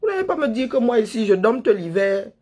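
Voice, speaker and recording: Speaking fairly quickly in a very high, mellow, sing-song voice, a man from Cameroon gives a fervent political monologue. He works as an online political commentator, and his delivery is emphatic, packed with rhetorical questions and deliberate repetition of phrases.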